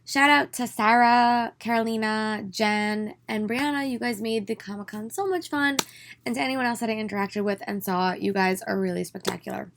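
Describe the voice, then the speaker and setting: Slightly hoarse young woman chatting excitedly. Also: a little high, moderate pace, background noise. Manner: chatty, enthusiastic, many "um"s. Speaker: book vlogger. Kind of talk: casual haul video. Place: her room at home.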